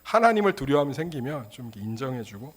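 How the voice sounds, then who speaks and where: 남성 목사가 교회에서 목소리를 흉내 내 가며 유머러스한 이야기로 설교한다. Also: male voice, mid-range voice, big pitch swings, fast. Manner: humorous storytelling, acting out voices. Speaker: pastor. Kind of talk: sermon. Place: church.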